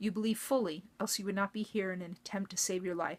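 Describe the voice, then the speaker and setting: A woman's put-on character voice, growling at a medium pitch, very fast, with fairly even intonation. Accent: strong non-native. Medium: read story. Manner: calm, dry.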